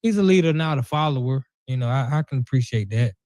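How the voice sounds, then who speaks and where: A man's voice: mid-range voice, lively intonation, darkish tone, no echo. A man co-hosting a casual sports chat, easygoing and thoughtful in his replies. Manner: easygoing, drawn-out agreement and thoughtful asides. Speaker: co-host.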